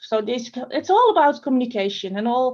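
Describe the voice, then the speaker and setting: A woman's high-pitched speech at a moderate pace in a quiet background. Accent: non-native. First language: not English. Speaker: research funder policy officer. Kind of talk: conference panel talk. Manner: halting.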